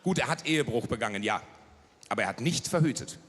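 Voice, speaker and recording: A man doing stand-up jokes at a carnival event, telling stories punchily and sometimes shouting. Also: medium pitch, animated, fast talker, very noisy. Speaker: carnival comedian. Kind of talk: stand-up joke telling on stage. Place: large carnival hall stage. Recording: echoey hall with long reverb.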